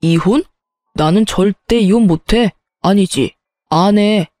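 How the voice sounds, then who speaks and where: Smug husband in his thirties, read by a woman, belittling, scornful, mellow tone, dry close sound. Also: medium pitch, slow pace, dry recording, natural voice. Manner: dismissive, belittling. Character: smug self-righteous husband, man, 30s.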